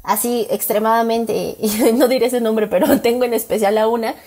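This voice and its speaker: A woman with a Mexican accent co-hosting a podcast in casual chat. She tells animated stories, acting out quotes and laughing a lot. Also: fairly high pitch, normal speed. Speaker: podcast co-host.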